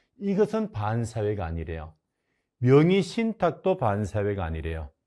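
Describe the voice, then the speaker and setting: The voice moves through very wide pitch swings at a fairly slow pace. The recording is very clean, with a silent background. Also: man. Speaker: exam prep lecturer. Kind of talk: lecture. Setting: studio.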